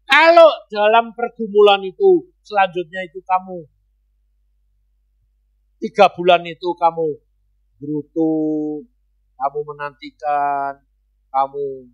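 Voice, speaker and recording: A middle-aged man, an evangelist telling a personal testimony in a sermon, chatty and given to sudden loud bursts. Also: fairly high pitch, slow, pauses often, muffled recording. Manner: conversational storytelling with sudden jumps in loudness. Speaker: evangelist preacher.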